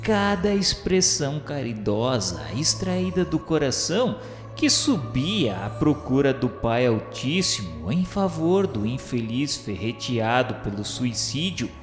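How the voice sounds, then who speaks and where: A man's voice: medium pitch, big pitch swings, measured pace. A man narrating a radio novel in a solemn, formal, declamatory manner. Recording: echoey hall reverb with music behind. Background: music.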